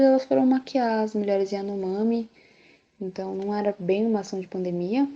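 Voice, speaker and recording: Mellow Brazilian woman, muffled recording. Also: mid-range voice. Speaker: interviewee. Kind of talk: explanatory interview talk. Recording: dull, lo-fi voice recording.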